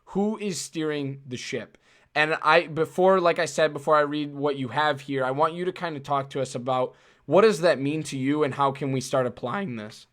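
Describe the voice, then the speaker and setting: A man's voice: on the high side, normal speed, a bit bright. A man hosting a live online interview, talking in a casual, supportive way with many fillers. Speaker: host.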